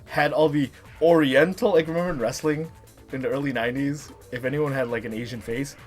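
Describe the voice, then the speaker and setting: A man in his thirties hosting a casual, chatty video countdown, talking in an animated, emphatic way with playful hype. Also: mid-range voice, a little fast, faint music behind. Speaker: host of a top three video series.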